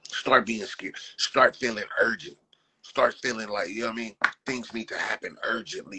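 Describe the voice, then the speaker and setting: A man's voice: lowish voice, bright, forceful tone, slightly rough, low-quality recording. A man in his forties livestreaming from his phone indoors, talking bluntly and profanely and repeating his phrases. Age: 40s. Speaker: livestream host. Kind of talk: casual livestream talk. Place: indoor room. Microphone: phone held close.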